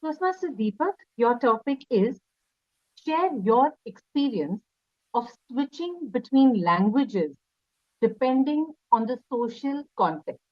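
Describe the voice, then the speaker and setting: A woman speaks in a fairly high voice, formal and polite as she announces each speaker. The audio is dry and dull, like an online call. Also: expressive, slow pace, no echo. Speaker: session host calling on speakers. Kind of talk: hosting an online speaking club.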